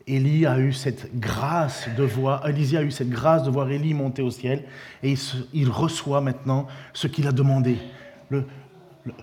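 A man preaching a sermon, in a lively, conversational way with many restarts. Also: mid-range voice.

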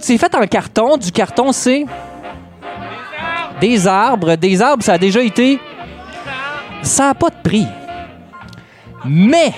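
A man's voice: sits high, a little mellow. A man with a Québécois accent, emceeing a live event and calling an auction in a playful, joking way, stretching out the bid calls. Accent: Québécois French.

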